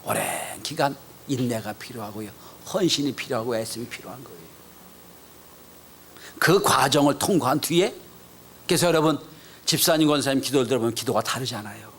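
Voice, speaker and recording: A male pastor preaching a Sunday sermon in a church, acting out quoted voices and dropping to soft whispers for emphasis. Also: medium pitch, animated, a little fast, husky. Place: church sanctuary.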